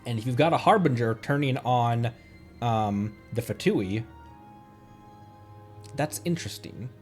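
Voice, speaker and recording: A man's voice: mid-range voice, a little slow, faint music behind. A man giving casual livestream commentary on a game, playfully thinking aloud. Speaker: streamer.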